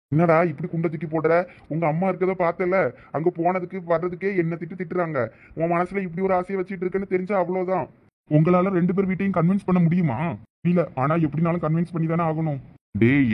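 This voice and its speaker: A man voicing young male cartoon characters at a rapid clip. His voice sits a little high, and he talks earnestly and persuasively. The sound is dull and lo-fi. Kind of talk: cartoon voice acting. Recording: dull lo-fi recording.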